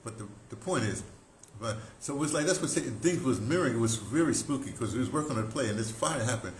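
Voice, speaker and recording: An older American man reminisces in a loose, excitable style, doubling back and repeating himself as he goes. His voice sits at a middle pitch. The room is echoey, with clear background noise behind him. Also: fast talker. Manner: excitable, animated storyteller with broken, repetitive phrasing. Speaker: radio drama producer and talk host. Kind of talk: casual rambling reminiscence.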